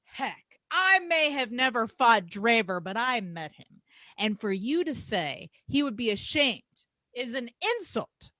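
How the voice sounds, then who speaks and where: Female actor as cocky male wrestler for staged promo reading: high voice, unhurried, taunting, grandiose. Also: sharp tone, no room sound, full character voice. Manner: taunting, crude, grandiose, drawn-out emphatic delivery. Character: brash, boastful male pro wrestler cutting trash-talk promos.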